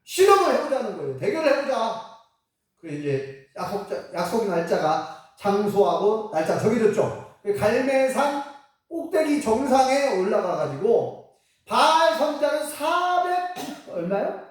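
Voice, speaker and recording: A woman's voice: mid-range voice, moderate pace. A woman preacher telling a story in a sermon, asking the congregation questions and acting out quotes. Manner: animated, asks the congregation questions, acts out quotes. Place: church sanctuary. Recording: echoey church from far off.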